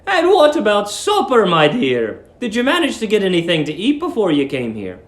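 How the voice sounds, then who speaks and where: A man voicing a sweet, fussy middle-aged English landlady in a storybook reading, eerily kind, with drawn-out, gushing phrases. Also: sits high, huge pitch swings, reverberant, pitched above the performer's own voice. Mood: gushing, solicitous. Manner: drawn-out, gushing, cooing delivery.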